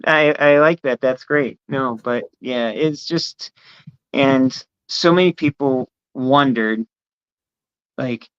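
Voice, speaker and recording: A woman's voice: very deep voice, slow pace, clean tone, lo-fi sound. Hesitant trans woman podcast guest. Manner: hesitant, soft-spoken, many ums. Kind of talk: casual podcast conversation.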